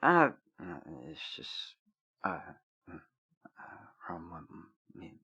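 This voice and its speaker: Nervous teen werewolf boy for audio drama, stammery and awkward, slow, sharp bright voice. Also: deep voice, big pitch swings, highs cut off, full character voice. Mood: awkward, hesitant. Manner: hesitant, stammering, throat-clearing. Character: awkward, embarrassed sixteen-year-old werewolf boy phoning for advice.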